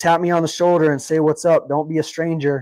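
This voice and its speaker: A man with a plain, everyday voice, fairly high-pitched for a man, at a moderate pace with fairly even intonation, in a dry, close sound with no echo. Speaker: sports streamer. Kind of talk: live watch-along commentary. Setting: live stream on camera.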